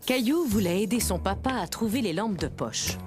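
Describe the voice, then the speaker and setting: A woman's voice: medium pitch, lively intonation, normal speed, close to an everyday voice. A woman narrating a children's cartoon as a kindly storyteller, reading a scripted tale. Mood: gentle narration. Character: kindly storyteller narrating a small boy's adventures. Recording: music under the voice.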